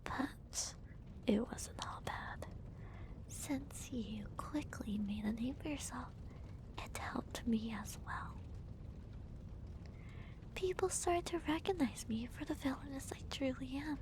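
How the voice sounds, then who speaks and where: Woman as a slow, whispering, smug villainess. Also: high-pitched, low-quality recording. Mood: smug, gloating. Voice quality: soft, breathy whisper. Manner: slow, deliberate, teasing, theatrical. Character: smug, theatrical villainess gloating to her captured hero. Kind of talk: whispered roleplay ASMR monologue.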